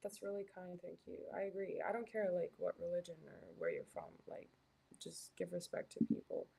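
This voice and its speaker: A woman's voice: on the low side, very animated, moderate pace, gravelly, warm tone, slightly rough. A young woman from Canada, chatting casually as a live stream host while reading her chat, with lots of "like" and "um". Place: hotel room.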